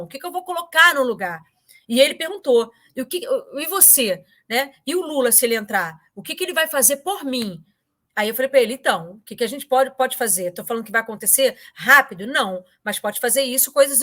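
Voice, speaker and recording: A woman tells a story as an interview guest. Her voice sits high and sounds bright and sharp. She talks casually and animatedly, with many fillers and repeated words. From Brazil.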